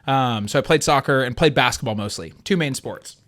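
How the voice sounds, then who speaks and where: A man of ordinary pitch is a guest on a casual podcast. He tells his own story in an easygoing way and pauses often with ums. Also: a bit bright. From United States. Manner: easygoing storyteller, hesitant with fillers. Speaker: guest, CrossFit coach and athlete.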